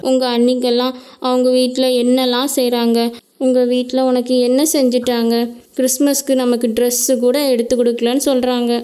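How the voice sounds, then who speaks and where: A woman's voice: fairly high pitch, monotone, brisk, dark tone, close to an everyday voice. A young woman playing a hurt married daughter in a radio drama, crying and speaking in an aggrieved, complaining way.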